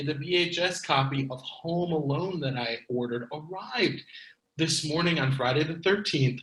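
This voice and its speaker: A man playing an excitable, easily spooked, theatrical repair shop worker in a comedy table read. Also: fairly high pitch. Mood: melodramatic, excited. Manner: theatrical, exclamatory. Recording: roomy, echoing pickup.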